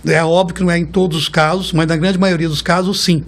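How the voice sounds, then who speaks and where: A Brazilian man in his fifties, a guest in an interview, talking in a chatty, storytelling way and often ending phrases with a quick "right?". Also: fairly high pitch, flat delivery. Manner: chatty, warm storytelling, keeps tagging phrases with a questioning "right?". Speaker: guest, car rental executive. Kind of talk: casual interview talk.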